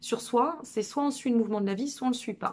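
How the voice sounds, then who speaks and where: A woman with a Burgundy accent speaks at a fairly quick pace. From Burgundy, France. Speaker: tarot reader and spiritual guide. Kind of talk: casual monthly update to viewers. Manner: chatty, hesitant with many fillers.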